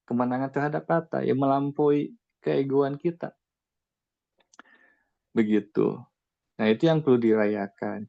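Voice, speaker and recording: A man's voice: medium pitch, gravelly, warm tone, muffled recording. A man giving a casual spiritual talk to a group, conversational and full of rhetorical questions. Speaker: spiritual teacher.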